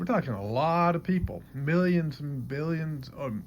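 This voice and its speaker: Somewhat breathy and fairly high in pitch, this man's voice has lively intonation. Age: 60s. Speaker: YouTuber. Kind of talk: casual vlog commentary. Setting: outdoors in snowfall.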